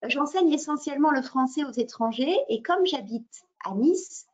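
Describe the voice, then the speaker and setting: A middle-aged woman from France, a French teacher presenting a webinar over a video call, often pausing on fillers and restarting her sentences. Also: high voice, animated, a little mellow. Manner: hesitant, many fillers and restarts. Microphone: computer mic on a video call. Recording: muffled lo-fi webinar audio.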